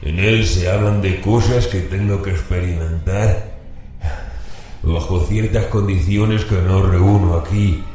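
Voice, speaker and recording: An actor playing a cunning goat-faced giant, half human, pleading formally in a horror radio drama with a strange, resonant voice. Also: male voice, deep voice, dark tone. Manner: slow, formal, insinuating. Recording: heavily echoing, music underneath.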